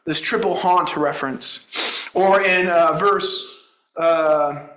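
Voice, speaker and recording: A man's voice: fairly high pitch, fairly even intonation, slow pace, a bit bright, reverberant, rough recording. A man preaching a sermon, explaining a Bible passage in a conversational teaching manner and checking in with the congregation. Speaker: pastor.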